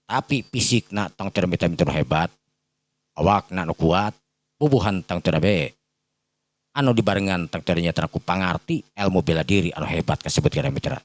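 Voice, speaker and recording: A man's voice: low voice, animated, fairly quick, dry recording. A man with a Sundanese accent tells a folk tale in a rambling, improvised way, padding it with repeated filler phrases as he addresses his listeners. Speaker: storyteller.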